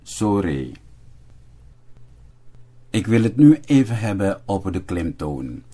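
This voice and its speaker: A man's voice: fairly low pitch, sing-song, normal speed, warm tone. A man teaching a language lesson, carefully spelling out and repeating words for learners. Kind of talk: slow, deliberate language lesson narration.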